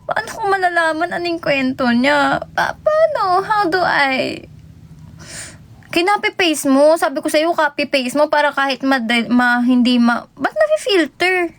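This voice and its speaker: A young Filipino idol livestreamer chats casually with viewers over her phone, giggling and greeting people by name. Her voice is high and fairly bright, with an unhurried, sing-song lilt.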